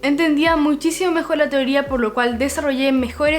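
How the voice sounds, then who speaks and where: Noticeable background noise sits behind a woman speaking at a fairly quick pace. Her high pitch holds fairly even intonation. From Chile. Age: young. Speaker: university physics student. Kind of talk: casual talk to camera.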